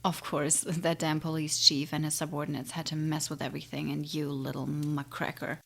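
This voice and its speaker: A woman's voice: deep voice, flat delivery, moderate pace, gravelly, a bit bright, full character voice. A woman playing an ancient, menacing siren in an audio drama, taunting and condescending with a theatrical drawl. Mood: smug, taunting. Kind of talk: audio drama villain acting.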